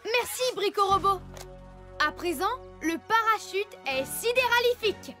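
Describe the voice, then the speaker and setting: A woman's voice: very high-pitched, lively intonation, a little slow. A woman playing a brave, eager little alien boy who leads a patrol in a children's cartoon, speaking in an earnest, emphatic way. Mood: pleased. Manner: emphatic, earnest, proclaims slogans. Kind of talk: animated children's cartoon dub. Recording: music behind the voice.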